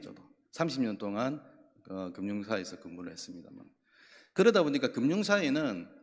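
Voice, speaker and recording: The speaker has a Busan accent and very wide pitch swings. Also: man. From South Korea, Busan. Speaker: bank executive. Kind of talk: conference keynote speech. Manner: halting, many fillers.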